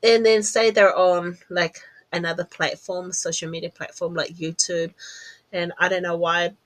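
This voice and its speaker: A woman's voice: fairly low pitch, level tone, normal speed. Giggly New Zealand woman, chatty. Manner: chatty and giggly, laughs at herself. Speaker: podcast host. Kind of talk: casual chat to camera. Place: home office.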